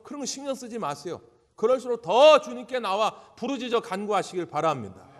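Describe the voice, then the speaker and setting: A man pastor preaching a sermon in a church sanctuary, dramatic and animated, acting out the voices he quotes. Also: fairly high pitch. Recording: church hall with long reverb.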